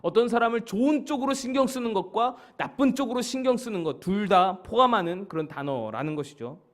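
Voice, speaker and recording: A man's voice: high-pitched, lively intonation, brisk. A male pastor teaching a Bible study sermon in a church, explaining words and stressing key points emphatically.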